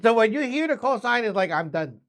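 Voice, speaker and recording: A man with a notably high-pitched voice works as an instructor. He explains things step by step in a casual spoken style, often checking in with short tag questions. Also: sing-song, fairly quick, a bit bright. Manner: conversational, frequent check-ins, spells things out step by step. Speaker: instructor teaching radio communication basics. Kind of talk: casual spoken lesson with acted-out example exchanges.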